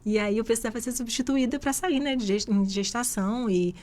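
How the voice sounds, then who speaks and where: A woman from Rio de Janeiro, a physician guest giving steady, explanatory answers in a radio studio interview. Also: on the high side, fairly quick. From Rio de Janeiro, Brazil.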